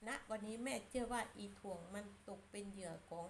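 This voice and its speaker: A woman's voice: mid-range voice, fairly quick, a little mellow, a little hiss or hum. A woman giving a blunt, scolding opinion monologue as a channel commentator.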